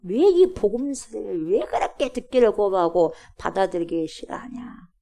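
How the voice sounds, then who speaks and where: A woman's voice: medium pitch, sing-song, normal speed, warm tone. A woman pastor preaching at a Friday prayer service. She asks the congregation questions and drops to a whisper at times. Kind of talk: sermon. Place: church.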